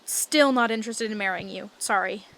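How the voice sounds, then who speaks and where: A woman playing a brisk, exasperated young lady knight, blunt and weary, in a comic fantasy audio drama. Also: mid-range voice, fairly bright tone, natural voice.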